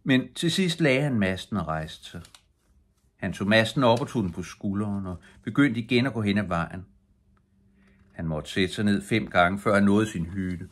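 An older man reads a bedtime story aloud in a calm, steady way. His voice is very low and husky. He keeps an even pace from line to line. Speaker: audiobook reader.

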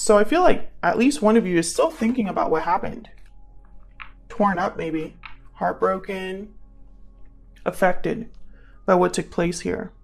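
A channel host gives a casual tarot reading, thinking aloud and addressing the listener directly in a conversational way. Her voice sits on the low side, with gravelly vocal fry.

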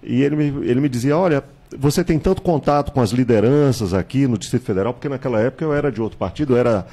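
A man, a candidate recounting his life in a studio interview, measured and reminiscing, with hesitations and tag questions, on a handheld mic. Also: medium pitch, warm tone, slightly rough. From Salvador, Bahia, Brazil. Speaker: political candidate, guest. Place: small TV studio with virtual set.

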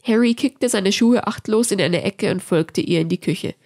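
A woman reading a fan fiction story aloud with expressive storytelling. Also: mid-range voice, moderate pace. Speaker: story reader.

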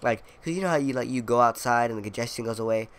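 Speaking fast at a medium pitch, a young man who makes gaming videos narrates his play while congested and coughing. His commentary is loose and rambling, full of fillers and lighthearted bragging.

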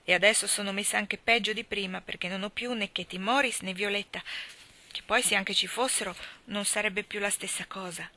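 A woman's voice: medium pitch, steady tone, fairly quick, bright, forceful tone, lightly acted. A woman voicing a dramatic, sentimental orphan girl who talks in a gushing, theatrical way. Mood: despairing.

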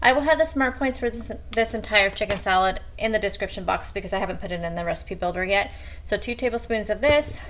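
A woman chats casually with viewers, calling them "you guys," as she walks through her weekly meal prep at her home kitchen counter. Her voice is medium-pitched, fast and fairly bright, with slight background noise.

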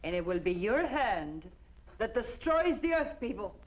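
A woman's voice: fairly high pitch, sing-song, unhurried, muffled recording. An actress playing an evil alien queen, commanding and menacing in declamatory 1950s B-movie style. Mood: cold, commanding. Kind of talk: 1950s science fiction B-movie acting. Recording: old film soundtrack with music.

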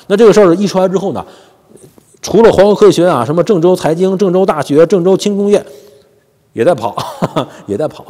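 A man hosting a casual commentary monologue, joking, laughing often and stumbling over repeated words, on a lapel mic. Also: high voice. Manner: animated and joking, frequent laughter and stammered repeats. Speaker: commentary channel host. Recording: long hall reverb.

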